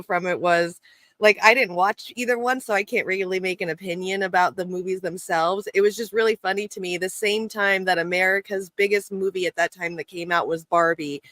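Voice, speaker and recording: A livestream host with a mid-pitched voice, recorded dry and close. The host steers the conversation and asks questions in a relaxed, halting way. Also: no echo. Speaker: podcast host. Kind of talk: casual livestream chat.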